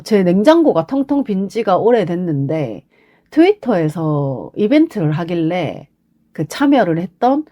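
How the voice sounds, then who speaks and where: A woman hosts a casual solo podcast, talking on her own while she has a cold. Her voice sits on the low side and is warm but heavily congested and nasal, with sniffling and throat-clearing.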